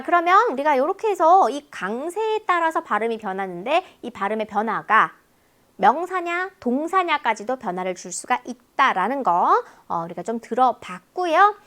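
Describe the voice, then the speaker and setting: A woman English teacher talks through a lecture, explaining word after word in a chatty way. Her voice sits fairly high and swings widely in pitch. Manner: explains word pairs in a lively, talkative way.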